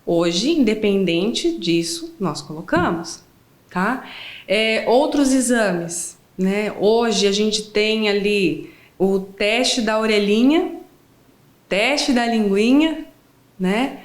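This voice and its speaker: A woman's voice: medium pitch, lively intonation, takes it slowly, roomy sound. A woman in her forties, a speech therapist, explaining things in a friendly way during an interview and checking in with the listener as she goes. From Brazil.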